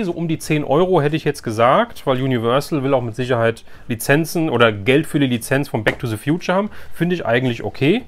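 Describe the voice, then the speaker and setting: A man doing a casual unboxing commentary for viewers, thinking aloud informally and giving frank opinions. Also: medium pitch. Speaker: YouTube host unboxing products.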